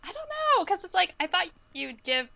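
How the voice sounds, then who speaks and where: A woman's voice: extremely high pitch, sing-song, brisk, creaky, sharp tone. A woman reading out quiz questions and chatting casually as the host of a group trivia game.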